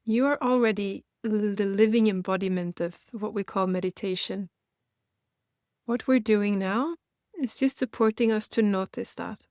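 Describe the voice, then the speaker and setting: Gentle woman guiding meditation, dry close sound. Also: mid-range voice, no echo. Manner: gentle, reassuring, unhurried pauses. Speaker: meditation guide and host. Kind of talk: guided meditation, gently instructional.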